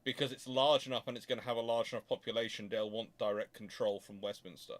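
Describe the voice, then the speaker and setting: A man's voice: on the low side, little pitch movement. A man hosting a history talk, answering questions off the cuff and often stopping to rephrase as he thinks aloud. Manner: halting, thinking aloud with repeated self-corrections. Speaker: host of a naval history channel.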